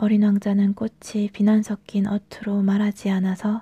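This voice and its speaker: At a very slow pace, a woman speaks at a medium pitch in a gentle, dark, mellow tone that is somewhat breathy, the sound dry and close with no echo. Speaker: audiobook reader. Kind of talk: narration of a classic fairy tale. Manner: soft, gentle, emotional.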